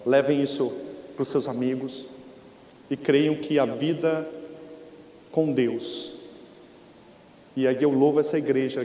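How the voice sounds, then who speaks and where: A man with a Brazilian Portuguese accent, speaking as a guest preacher in a church, emphatic and repetitive, sometimes dropping to a hush. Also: mid-range voice. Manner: animated, emphatic, repeats phrases, drops to a hush for effect. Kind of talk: preaching talk. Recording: echoey church hall with faint room noise.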